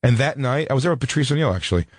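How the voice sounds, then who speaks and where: A man's voice: mid-range voice, animated, very fast, breathy edge, dry recording, studio quality. A man co-hosting a comedy radio show, telling blunt, rambling stories in casual chat. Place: radio studio.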